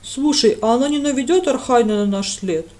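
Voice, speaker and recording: A woman voicing a brash, excitable young highlander man. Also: brisk, lightly acted.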